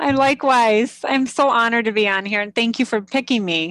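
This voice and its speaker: A woman with an unremarkable speaking voice talks at a moderate pace in a fairly high pitch, her intonation lively and the sound dry and close with no echo. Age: 50s. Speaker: author and former English teacher. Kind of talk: interview.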